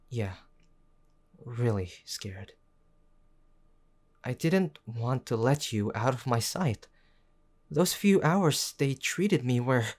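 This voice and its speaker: Man acting a slow-talking, stubborn, worried young boyfriend. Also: mid-range voice. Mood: scared, vulnerable. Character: gruff young tsundere boyfriend, worried, stubborn, tender underneath. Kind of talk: intimate audio roleplay acting.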